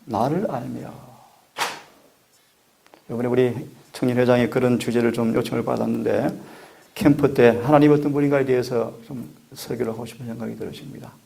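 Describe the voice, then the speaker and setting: A middle-aged man, a pastor, giving an earnest, measured sermon and asking the congregation for prayer. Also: medium pitch, flat delivery, gravelly, mellow.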